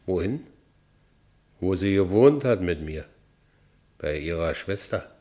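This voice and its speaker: An actor playing a brooding, restless working-class ex-convict with a Berlin accent in a radio play. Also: male voice, sits low, expressive, takes it slowly, dark tone. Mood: agitated, bitter. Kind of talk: radio play first-person narration.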